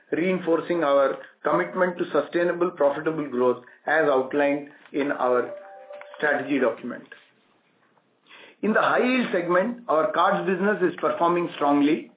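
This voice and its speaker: Indian exec guy reading out results on a conference call, kinda high voice, tinny echoey phone sound with static. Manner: formal, measured corporate reading. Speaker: bank executive presenting results. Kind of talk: scripted earnings call presentation.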